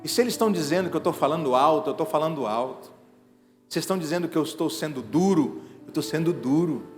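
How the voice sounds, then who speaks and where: A middle-aged man, preaching an evangelical sermon in emphatic bursts that swing between hushed and loud. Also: a little high, fast talker. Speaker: pastor. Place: church sanctuary. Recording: reverberant hall with faint music behind.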